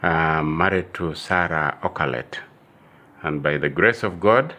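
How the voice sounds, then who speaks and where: An older man, a medical doctor and theologian telling his personal testimony in a measured storytelling way. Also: extremely low pitch, sharp tone. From Uganda. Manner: measured storytelling, repeats dates and restarts phrases.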